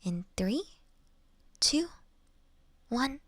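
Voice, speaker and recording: A kindly, undead vampire lady acted out by a woman speaks in a high voice at a slow pace. She is soothing and courteous with a teasing streak, as in an intimate roleplay audio, recorded close and dry. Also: big pitch swings, dry recording, heavily acted. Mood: soothing, attentive. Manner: soothing, polite, teasing, unhurried. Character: kind, playful female vampire, gently reassuring, long undead.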